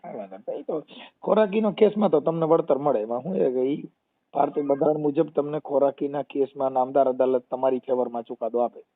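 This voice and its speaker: A man's voice: medium pitch, quick pace. A man with a Saurashtra Gujarati accent taking a call, asking short questions and offering advice. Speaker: advice giver taking calls. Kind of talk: brief phone questioning and advice. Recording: tinny lo-fi phone line.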